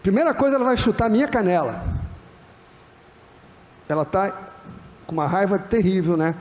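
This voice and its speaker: A high-pitched man with a Brazilian Portuguese accent gives a class as a pastor. He talks in a relaxed, conversational way and keeps checking that the audience is following. His voice carries a long reverb from a lecture hall. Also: normal speed, slight background noise. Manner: acts out quoted dialogue in other voices. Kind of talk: classroom lecture on church and disability.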